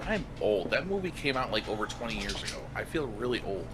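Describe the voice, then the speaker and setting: A jokey man in his thirties chats as a player in a tabletop game. His pitch swings widely. Clear background noise runs through the online call audio. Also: big pitch swings, fast talker. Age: 30s. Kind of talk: casual chat over a voice call.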